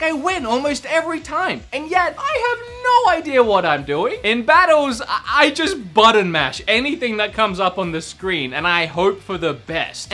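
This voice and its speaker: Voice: medium pitch, sharp tone. A game channel host giving a casual, upbeat and joking review of free games.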